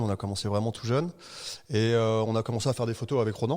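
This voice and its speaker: The recording is very clean, with a silent background. A man speaks in an ordinary speaking voice at medium pitch, with ordinary pitch variation. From Brittany, France. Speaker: surfer. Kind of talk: casual chat.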